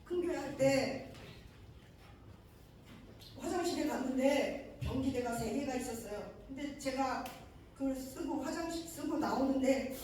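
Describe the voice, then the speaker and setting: High-voiced woman preaching in an echoey hall. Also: a little slow, pauses often, a little mellow, recorded from a distance, a little hiss or hum. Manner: emotional storytelling, acting out dialogues. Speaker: preacher and mission leader. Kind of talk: sermon testimony.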